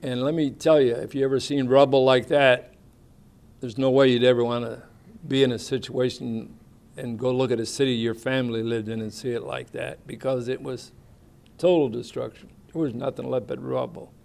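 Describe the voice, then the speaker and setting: An older American man tells his service memories in a rambling, homespun way. His voice has a gravelly fry, and he often stops on "uh" between thoughts. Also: medium pitch, fairly even intonation, moderate pace, a little mellow. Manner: rambling, plainspoken with folksy grammar and many fillers. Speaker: veteran interviewee. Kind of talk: oral history interview, casual recollection.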